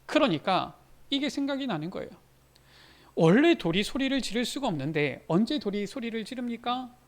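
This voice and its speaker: A male pastor preaching a sermon in a church, asking rhetorical questions and rising into loud, emphatic lines. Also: extremely high pitch, sing-song, normal speed. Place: church sanctuary.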